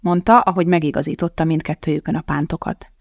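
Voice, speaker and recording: Audiobook narrator, calm even reading, gravelly voice, dead dry studio sound. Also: mid-range voice, no echo. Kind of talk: scripted narration.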